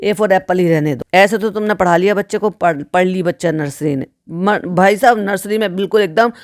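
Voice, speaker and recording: A woman's voice: lowish voice, fairly quick, dry recording, clean studio sound. A woman giving reaction commentary, scolding and sarcastic as she talks.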